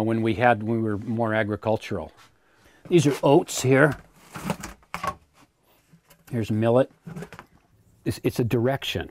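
An American homesteader in his eighties gives a casual tour of his outdoor garden and home pantry. His mid-range voice is relaxed and rambling, and he repeats words while he thinks, against a noisy background.

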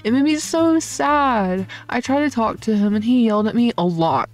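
A woman playing a sentimental middle-aged mother in a voiced animated roleplay drama. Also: fairly high pitch, normal speed, lightly acted. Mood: nostalgic. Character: sentimental middle-aged mother, sweet but easily dismayed. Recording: music behind the voice.

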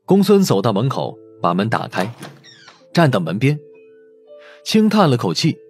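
A man's voice: mid-range voice, wildly swooping pitch, normal speed, a little mellow, faint music behind. A man reading a novel aloud as a dramatic audiobook narrator.

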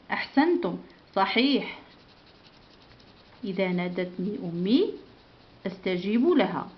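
Patient teacher woman, slow and repetitive. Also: medium pitch, lo-fi sound. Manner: repeats each sentence and praises the class. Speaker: primary school teacher. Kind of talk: slow classroom review for young children.

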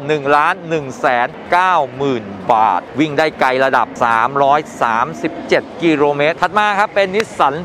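A man's voice: fairly high pitch, moderate pace, hardly any pauses. Upbeat middle-aged man presenting a motor show. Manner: upbeat and informative, with polite sentence endings. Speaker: motoring reporter. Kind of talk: presenting a car show walkthrough. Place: large indoor motor show hall. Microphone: lapel mic. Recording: noisy exhibition hall ambience.

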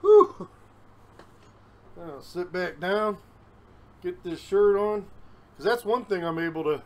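A man rambling candidly in a casual solo vlog, recording himself on a phone at home, a little out of breath. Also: on the high side. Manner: rambling, candid, self-deprecating. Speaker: vlogger. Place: his home. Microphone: phone camera, recording himself.

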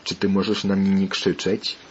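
A man's voice: low voice, monotone, normal speed, muffled recording, slight background noise, natural voice. A man voicing a stern, scolding father. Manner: scolding, insistent. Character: stern worried father lecturing his son.

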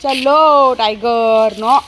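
Outdoors on open ground, a woman with a fairly high, slightly bright voice vlogs very slowly while teasing and scolding her dog, laughing often. There's a little background noise.

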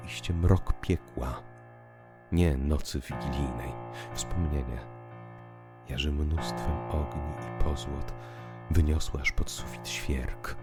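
A man narrating a literary audio drama in a theatrical, expressive way. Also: very deep voice. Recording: music bed under the voice. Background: piano and musical accompaniment.

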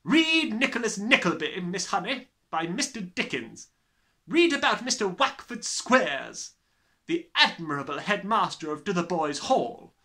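A man voicing a harsh, sneering, bullying middle-aged headmistress in a children's storybook, with snapping, drawn-out emphasis. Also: sits high, big pitch swings, pushed and bright, pitched above the performer's own voice, heavily acted. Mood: scornful lecturing. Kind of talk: dramatised children's storybook reading.

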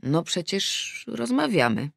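A woman's voice: fairly low pitch, very animated, takes it slowly, gravelly, no room sound, studio quality, pitched above the performer's own voice, exaggerated voice. A woman voicing a laconic, distracted fiancé absorbed in his newspaper, offhand and placating, in an audiobook.

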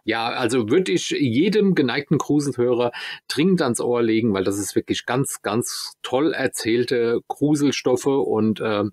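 Slightly husky man in casual podcast chat. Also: mid-range voice, measured pace, darkish tone, no echo, studio quality. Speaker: podcast co-host. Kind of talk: casual radio-drama review podcast chat.

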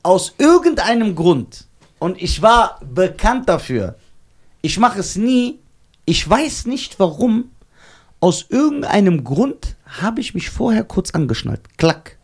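A young man from Germany telling a story on a casual podcast, animated and laughing at himself as he acts out the voices of the people in it. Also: sits high, slow pace. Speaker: podcast co-host.

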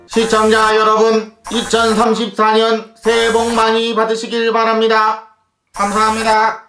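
This is a monotone female robot teacher from the future, played by a woman in a comedy sketch. She talks in flat, clipped, machine-like phrases with almost no rise or fall and sits a little high. The sound is roomy, with music playing in the background. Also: measured pace. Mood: robotic flat. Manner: flat, clipped robotic delivery, announcing each function. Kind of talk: scripted comedy sketch acting.

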